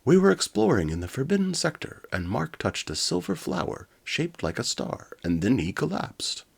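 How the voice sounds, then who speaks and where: Anxious robot sidekick, done by a man: raised pitch, hammy storybook dramatics. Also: very animated, moderate pace, gravelly, slightly rough, exaggerated voice. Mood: worried. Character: anxious high-voiced robot helper, alert and dutiful.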